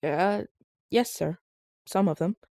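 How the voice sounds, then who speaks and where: Dutiful young attendant for fantasy audio drama, female actor: mellow, deferential, unsure, closely and dryly recorded. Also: on the low side, slow, no echo, studio quality. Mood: deferential, uneasy. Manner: hesitant, deferential. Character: timid, polite, dutiful young scholarly attendant.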